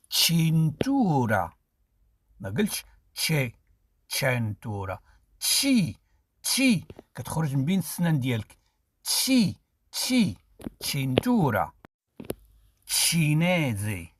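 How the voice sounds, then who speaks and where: A man with a Moroccan Arabic accent leads an Italian pronunciation drill, saying each word slowly and more than once. His pitch swings widely as he stresses sounds, and his voice is a little husky. He is recorded close up in a dry room. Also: no room sound. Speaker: Italian teacher. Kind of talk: pronunciation lesson.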